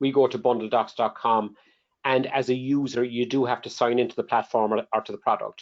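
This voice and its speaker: A man with a Cork accent, medium pitch, fairly quick pace and fairly even intonation. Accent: Irish, Cork. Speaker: software company chief executive. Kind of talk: product demo webinar. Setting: home, remote webinar. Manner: halting, many repeated words.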